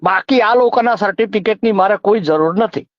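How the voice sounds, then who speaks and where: This high-voiced man talks a little fast over the telephone, with no room sound on the muffled recording. A community organiser with a rural North Gujarati accent, he insists as he explains and recounts during the call.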